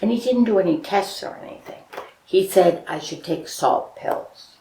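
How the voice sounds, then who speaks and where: A woman's voice: medium pitch, animated, normal speed, dark tone, reverberant, slight background noise, poor audio. A woman in her sixties, seated at home, recounting her story in a loose, matter-of-fact way for a documentary interview. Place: home living room, seated in armchair.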